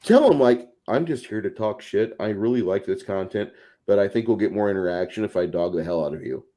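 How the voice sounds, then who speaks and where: On a tabletop gaming podcast, a man serves as an opinionated, foul-mouthed panelist, talking casually and with emphasis. His lowish, dark voice moves briskly with lively intonation.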